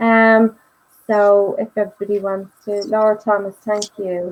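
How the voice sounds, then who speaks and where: A woman is speaking. She has an Irish accent. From Ireland. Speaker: psychic medium. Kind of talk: live mediumship reading. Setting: live stream video call.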